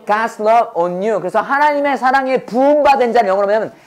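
With a hoarse, medium-pitched voice, this English teacher runs a quick drill where each prompt is repeated and the class echoes it back.

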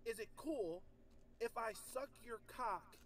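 A man playing an indignant girlfriend in a comedy sketch, halting, accusatory and incredulous. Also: very high-pitched, a bit bright, dry recording, heavily acted. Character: indignant girlfriend confronting her partner over messages.

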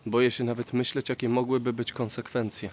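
A man's voice: mid-range voice, little pitch movement, brisk, slight background noise, close to an everyday voice. A young man dubbing the role of a hesitant, worried preacher in a film. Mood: fearful.

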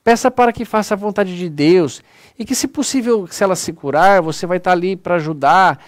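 Earnest high-voiced Brazilian lecturer. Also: male voice, brisk, no room sound, studio quality. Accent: Brazilian Portuguese. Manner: earnest, conversational, addresses audience as "pessoal". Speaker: spiritist lecturer. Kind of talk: online spiritist lecture.

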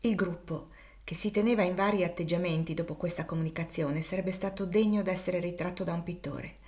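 A woman narrating a classic novel as an audiobook in a measured, literary reading. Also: lowish voice, steady tone, a little mellow. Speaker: audiobook reader.

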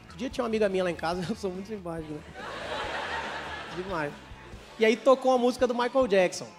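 High-voiced Brazilian stand-up comedian. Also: male voice, quick pace, music in the background. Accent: Espírito Santo. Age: 30s. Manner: animated, acts out both sides of dialogues. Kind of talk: stand-up storytelling.

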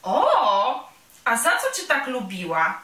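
A woman voicing a tiny, vain female insect who teases and boasts in a high, mocking voice, for a storybook reading. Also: wildly swooping pitch, slow, bright, forceful tone, full character voice. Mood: teasing. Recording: roomy sound from a distant mic.

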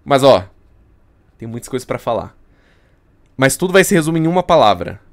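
A man's voice: medium pitch, big pitch swings, moderate pace. A young Brazilian man giving casual, slangy, joking reaction commentary into a close desk microphone. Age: young adult. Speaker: YouTuber reacting to horror videos. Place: indoor streaming room. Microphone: close desk microphone on arm.

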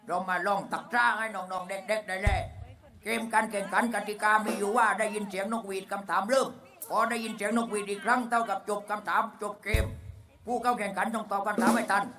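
A boisterous, crude village clown, voiced by a man in a live shadow-puppet comedy, speaking with a Southern Thai accent. He shouts, laughs and fires off guesses in a raised, fairly high voice. A folk band plays loudly behind him. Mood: announcing. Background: live folk music band.

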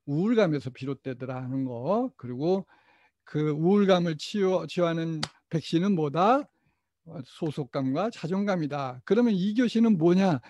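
A middle-aged man lecturing teachers in a mellow, slightly raised voice. He poses his own questions, answers them and gets the room to repeat after him. The recording is dry and muffled. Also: a little high, lively intonation, normal speed, no room sound. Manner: asks questions and answers them himself, leads call-and-response, chuckles often. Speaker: teacher trainer.

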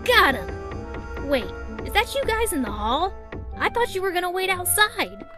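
Woman as a high, plucky little raccoon boy. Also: very animated, a little slow, over music, heavily acted. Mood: focused. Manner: easygoing, self-assured. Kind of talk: fan-dub comic acting.

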